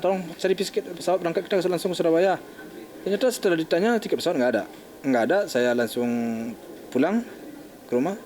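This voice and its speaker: An older man, a bereaved father, recounting events in an interview in a halting, shaken way, often restarting his sentences. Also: high voice, darkish tone, slight background noise. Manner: halting, restarting, acting out phone calls.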